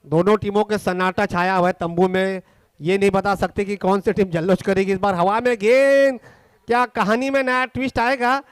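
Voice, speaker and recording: Here an Indian man gives live, ball-by-ball cricket commentary, excitedly restating the score again and again. His voice is very high, smooth and clear, delivered at normal speed with no echo.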